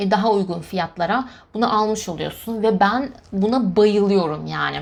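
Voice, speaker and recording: Recorded very cleanly with a silent background, a woman speaks at a moderate pace and medium pitch in an unremarkable speaking voice. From Bulgaria-born, lived in Istanbul, Turkey. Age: 30s. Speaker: YouTuber and immigration adviser. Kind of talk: casual vlog chat. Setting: at home on camera with coffee.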